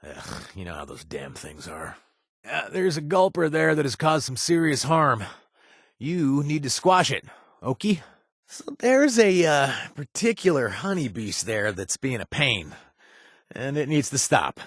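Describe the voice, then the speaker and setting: A laid-back, joking mercenary for a video game, talking casually with plenty of filler sounds. His pitch swings freely from low mutters to high jabs. The recording is dry and close. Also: big pitch swings, unhurried, husky, dry recording, heavily acted. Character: wisecracking young adult male mercenary, laid-back. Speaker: quest-giving companion. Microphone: dry studio recording.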